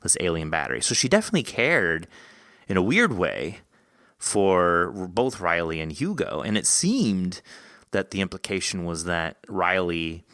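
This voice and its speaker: Low-pitched, bright-voiced male podcast host. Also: very animated, measured pace, no room sound, studio quality. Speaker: podcast host interviewing an author. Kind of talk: casual discussion of fiction.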